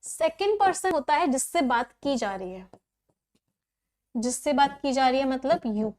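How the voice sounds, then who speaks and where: A woman with a high, bright-toned voice teaches a grammar class. She explains each rule step by step, repeats the key points and often asks the students whether anything is unclear. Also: lively intonation, a little slow.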